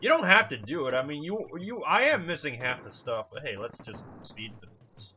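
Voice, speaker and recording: A man's voice: a little high, big pitch swings, brisk, slight background noise. A man giving casual, rambling video game commentary as a let's player, informal and prone to swearing. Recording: dull lo-fi mic over game music. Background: video game music.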